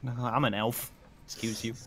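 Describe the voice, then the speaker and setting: A man's voice: medium pitch, little pitch movement, moderate pace, a bit bright. A man playing a tabletop roleplay game, chatting in a joking, slangy way. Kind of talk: casual chat, slangy banter. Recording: clear background noise, clicking.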